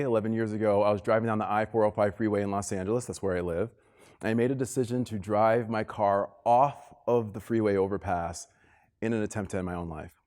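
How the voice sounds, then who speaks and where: A man's voice: on the low side, a little mellow. A middle-aged American man delivers a motivational keynote to a live room, telling personal stories conversationally and repeating phrases for emphasis. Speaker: keynote speaker. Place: live talk on stage to a room of listeners. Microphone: stage microphone.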